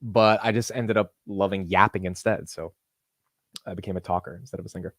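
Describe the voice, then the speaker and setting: Fast-talking young man, dry close sound. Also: no echo. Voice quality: deep voice. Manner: animated, says "dude" and "like" a lot. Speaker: host of a live market stream. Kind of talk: casual livestream chat.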